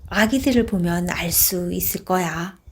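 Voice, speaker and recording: A woman reading a book aloud as narrator in a soft, hushed, gentle voice that turns whispery at moments. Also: on the low side, normal speed, slight background noise.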